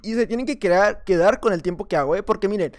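Chatty Mexican gamer commentating gameplay. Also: male voice, high voice, quick pace. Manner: chatty, laughs at himself, mutters under his breath. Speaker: gaming video creator.

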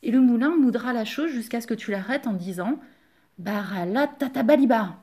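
A woman from a library reading a fairy tale aloud, expressive and speaking to young listeners. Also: on the high side, moderate pace, slightly rough. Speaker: library storyteller.

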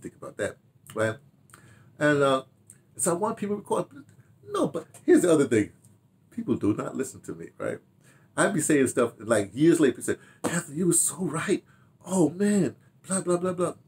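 A man's voice: fairly high pitch, normal speed, long pauses. Older American man, rambling storyteller. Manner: animated, rambling storytelling with repeated phrases and asides. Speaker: audio dramatist and theater director telling his memoirs. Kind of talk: casual reminiscing to camera. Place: small home study, indoors.

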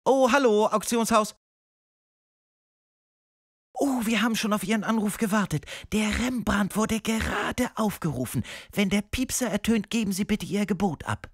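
Man playing an effusive, high-voiced auction clerk. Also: normal speed. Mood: eager, polite. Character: excitable, courteous auction house clerk. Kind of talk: comic answering machine sketch.

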